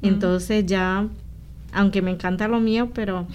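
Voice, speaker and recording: Lady missionary chatting in an interview, earnest, explains stuff, mid pitched voice. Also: fairly even intonation, measured pace, darkish tone, dull audio, slight background noise. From Puerto Rico. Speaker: missionary nun, interview guest. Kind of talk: conversational interview testimony.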